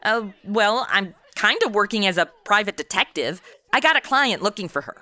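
A woman's voice: mid-range voice, animated, normal speed, pushed and bright. A woman playing a flippant modern twenty-something amateur detective in a comedy audio drama, sarcastic and breezy. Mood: flippant, probing. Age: 20s. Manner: sarcastic, breezy, easily sidetracked. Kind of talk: comedy audio drama, wisecracking first-person narration.

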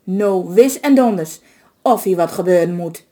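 A woman's voice: a little high, expressive, moderate pace, warm tone, lightly acted. A woman doing a stubborn young officer. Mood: determined. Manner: blunt, obstinate. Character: determined young man, stubborn justice officer.

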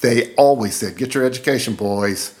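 A man's voice: mid-range voice, moderate pace, a little mellow. Earnest man in his seventies. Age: 70s. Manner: earnest, reflective, laughs easily. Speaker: guest. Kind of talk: interview conversation.

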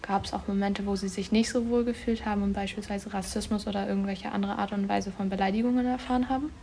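A woman's voice: mid-range voice, fairly even intonation, fast, gravelly, dark tone, slight background noise. A woman student interviewing a guest for a school project, reading her questions evenly.

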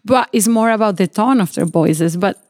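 A woman's voice: medium pitch, normal speed, darkish tone, no room sound, clean studio sound. Woman hosting a podcast. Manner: chatty, laughs often, non-native phrasing. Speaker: podcast host. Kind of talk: casual interview.

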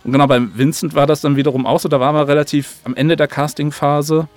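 A man's voice: fairly high pitch, steady tone, quick pace, dry recording, faint music behind. Casual, loosely rambling German man. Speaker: audio drama maker, interview guest. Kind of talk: casual chat.

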